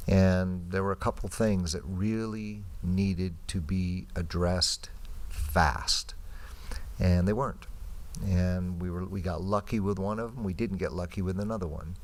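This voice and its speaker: A middle-aged or older man with a deep voice argues a point in a council discussion. He is plain-spoken and emphatic, often restating himself. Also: fairly even intonation, measured pace, a little mellow. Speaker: council member and former mayor. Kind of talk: informal argument in council discussion.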